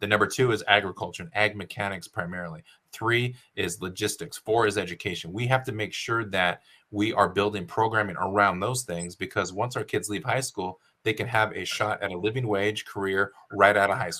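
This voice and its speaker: In a Californian accent, a man speaks fairly quickly at a fairly low pitch, with fairly even intonation and a bright, sharp tone. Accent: Californian American English. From California Central Valley (San Joaquin County). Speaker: educator running for school superintendent. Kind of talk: interview. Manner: fast.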